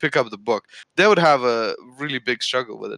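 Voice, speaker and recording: Recorded dry and close with no echo, a man speaks with a non-native accent in a bright, sharp tone. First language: not English. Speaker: book discussion podcast host. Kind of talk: casual group discussion. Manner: halting, many repetitions.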